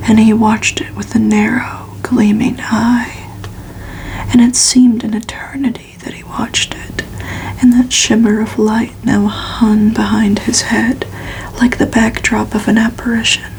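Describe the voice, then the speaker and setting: A woman reads a gothic novel aloud for ASMR in a soft, hushed whisper, narrating evenly. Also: on the high side, vocal fry, a little hiss or hum, poor audio. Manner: slow, hushed, even narration. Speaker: ASMR reader.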